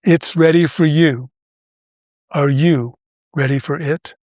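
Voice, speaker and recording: A man hosting a reflective spiritual podcast, talking slowly and deliberately, phrase by phrase, and reading inspirational passages in a gentle voice. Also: fairly high pitch, steady tone. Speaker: podcast host.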